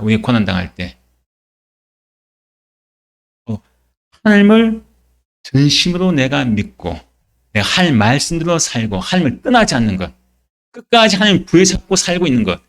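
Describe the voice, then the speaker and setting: A male pastor preaching a Sunday sermon, emphatic, asking rhetorical questions and answering them himself. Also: mid-range voice. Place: church.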